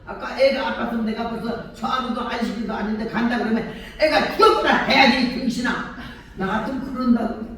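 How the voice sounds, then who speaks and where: An older woman evangelist, preaching a sermon in animated storytelling, acting out dialogue and laughing often. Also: on the high side, a little hiss or hum. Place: large church hall. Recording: echoey church hall from far off.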